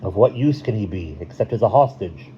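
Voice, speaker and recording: A man's voice: fairly low pitch, animated, brisk, mellow, close to an everyday voice. A man voicing a suspicious, impatient tribal warrior in an audiobook. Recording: dull lo-fi recording, faint hiss.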